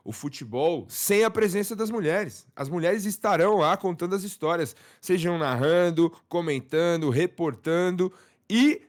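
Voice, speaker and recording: A man co-hosts a live football talk stream with a lively voice that swings up and down a lot. He talks in casual slang with plenty of fillers, and his voice sits a little above the usual pitch. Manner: slangy, animated, with many fillers. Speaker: co-host commentator.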